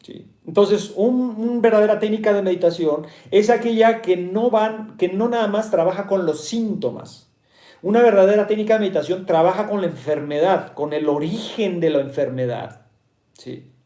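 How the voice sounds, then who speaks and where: A man's voice: high voice, moderate pace, mellow, echoey room. Mexican man teaching with rhetorical questions. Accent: Mexican Spanish. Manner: repeats and rephrases key points. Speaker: meditation teacher. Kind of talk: explanatory talk to listeners.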